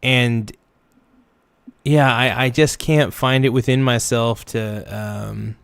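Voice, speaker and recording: Hoarse man, livestream host, rambling, thanking donors, dry close sound. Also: mid-range voice, fairly even intonation, slow pace, no echo. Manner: rambling, thanks donors loudly, chants silly phrases. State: hoarse, voice worn out. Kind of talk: casual livestream reaction.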